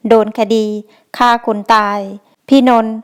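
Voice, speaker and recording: A woman narrating a Thai audio novel in a steady storytelling manner, speaking as the male first-person narrator. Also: a little slow.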